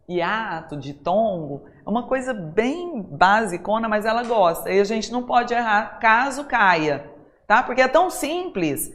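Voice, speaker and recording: A middle-aged Brazilian woman teaching an exam-prep language lesson, chatty, talking straight to her students and checking in with them often. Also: a little high. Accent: Brazilian Portuguese. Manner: chatty, addresses students directly with frequent tag questions.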